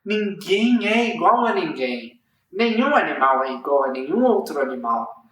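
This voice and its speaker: A wise, patient mage who gently talks a sad bird around as a Brazilian storyteller voices him. He speaks slowly, and the voice echoes in a room away from the mic. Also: medium pitch, very animated, slight background noise. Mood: reassuring. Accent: Brazilian Portuguese. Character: kind wise old mage who gives advice. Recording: roomy echo, distant mic.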